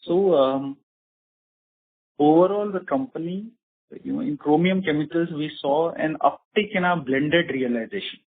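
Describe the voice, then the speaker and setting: A man with an Indian accent, speaking formally and in measured explanations as an executive answering questions on an earnings call. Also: on the high side. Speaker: company executive answering investors. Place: conference call. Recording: muffled narrowband phone line, slightly rough.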